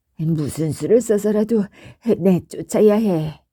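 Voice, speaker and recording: A woman puts on a character voice at a medium pitch. She speaks at a fairly slow pace with ordinary pitch variation. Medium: read story. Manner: gruff.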